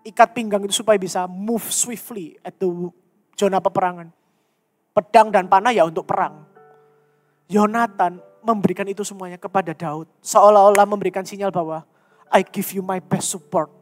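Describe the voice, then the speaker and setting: A man preaching a sermon to a youth congregation, animated and slipping English phrases into his talk. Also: high voice, normal speed. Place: church hall. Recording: reverberant hall with music.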